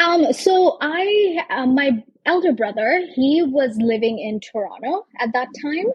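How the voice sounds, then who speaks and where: Her pitch high and swinging very widely, a woman speaks at a fairly slow pace with hardly any pauses. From Bangladesh. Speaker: health equity advocate and researcher. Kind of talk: interview.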